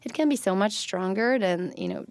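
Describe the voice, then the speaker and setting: A woman's voice: medium pitch, huge pitch swings, normal speed, no echo. A middle-aged woman from Poland whose first language is Polish, speaking as a guest in an earnest, reflective interview. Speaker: psychology professor, guest. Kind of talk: conversational interview.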